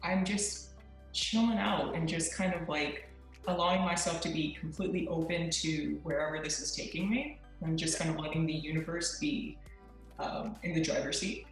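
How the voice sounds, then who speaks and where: Low-voiced young woman in an echoey room. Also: moderate pace, soft background music. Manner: open, earnest, lots of likes and ums. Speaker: guest. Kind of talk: casual interview talk. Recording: very echoey remote audio.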